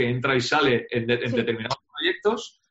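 Using a plain, everyday voice, a man talks at a moderate pace with lively intonation. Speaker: communication consultant. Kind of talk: interview.

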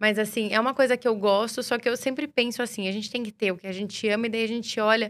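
A woman's plain, everyday voice, fairly high in pitch with ordinary pitch variation, at a fairly quick pace. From Brazil, Mato Grosso do Sul (Campo Grande). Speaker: finance professional and women's networking leader. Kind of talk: casual interview.

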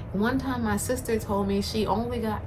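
There is audible room echo and noticeable background noise as a woman talks at a moderate pace. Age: 20s. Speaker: vlogger. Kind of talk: casual monologue to camera. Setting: outdoors.

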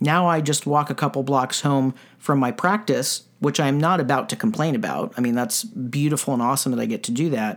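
A man with an unremarkable speaking voice, fairly high pitch, lively intonation and a fairly quick pace. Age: 40s. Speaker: podcast host and diabetes coach. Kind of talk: casual solo podcast monologue. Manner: conversational, with filler words.

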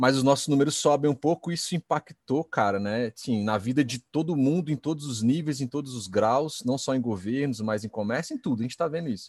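Using an ordinary speaking voice, a man talks at a fairly quick pace with hardly any pauses, medium pitch and ordinary pitch variation, the sound dry and close with no echo. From Brazil, Minas Gerais. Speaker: Ayurveda therapist and podcaster. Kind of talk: casual interview. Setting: live stream on video platforms.

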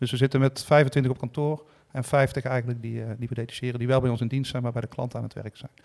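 This is an ordinary speaking voice at a fairly quick pace. The intonation stays fairly even. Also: man. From Breda, Netherlands. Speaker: business owner. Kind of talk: interview. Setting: kitchen table at home.

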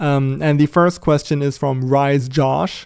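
A man speaks in a German accent. His pitch is fairly high. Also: very clean recording, silent background. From Germany. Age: 20s. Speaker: TikTok creator and podcaster. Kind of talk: casual Q&A monologue. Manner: hesitant, many fillers.

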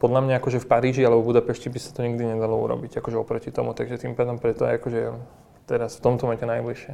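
A man with a medium-pitched voice talks at a very fast pace in a monotone, flat intonation, with big swings in loudness. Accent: Hungarian. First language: Hungarian (speaking Slovak). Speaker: cultural organizer. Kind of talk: casual interview.

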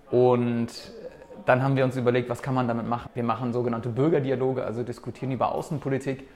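Rushing at a very fast pace, a man speaks at a medium pitch in a monotone, flat delivery. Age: 30s. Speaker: public relations officer at a foreign ministry. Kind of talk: interview. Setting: museum cloakroom area.

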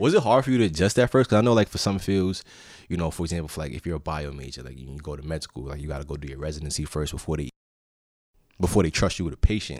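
Very clean and silent behind him, a man with a very deep, low pitch and vocal fry speaks at a very fast pace, his intonation lively and his loudness swinging widely. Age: 20s. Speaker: podcast host. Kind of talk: casual chat. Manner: stammering, repeats words.

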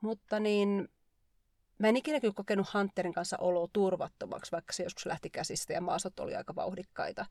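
Here is a woman with a plain, everyday voice, pitched at a medium level with ordinary pitch variation. She talks at a fairly quick pace in a dry, close sound with no echo. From Finland, Kuopio. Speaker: horse rider. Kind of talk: casual interview.

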